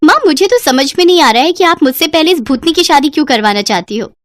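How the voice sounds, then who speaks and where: A woman's voice: high-pitched, lively intonation, fast talker, pitched above the performer's own voice. A woman voicing a spoiled young woman who mocks her sister in a cartoon story. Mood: mocking. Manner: mocking.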